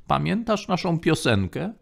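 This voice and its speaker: A man's voice: on the high side, sing-song, unhurried, gravelly, pitched above the performer's own voice, heavily acted. A man voicing a cocky, wry male general in a spoken space story.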